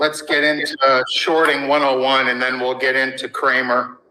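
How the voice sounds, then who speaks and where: A man talks fairly slowly, and noticeable background noise can be heard. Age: 60s. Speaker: retired hedge fund manager. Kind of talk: interview.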